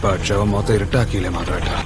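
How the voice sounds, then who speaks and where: An anxious, defensive male subordinate played by a man speaks in drama style. His low voice rushes along over loud music. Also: fairly even intonation, lightly acted.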